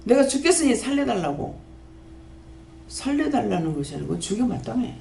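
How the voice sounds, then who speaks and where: A woman pastor, preaching a sermon and scolding with rapid-fire rhetorical questions. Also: a little high, sing-song, gravelly, dark tone. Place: prayer house church. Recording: echoey church hall, faint background noise.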